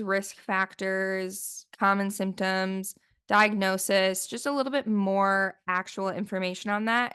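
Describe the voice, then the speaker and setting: A woman's voice: medium pitch, fairly bright tone, smooth. Sniffly chatty woman podcast host. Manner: chatty, rambling, lots of "like" fillers. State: sniffly, voice still recovering from flu. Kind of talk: casual solo podcast chat.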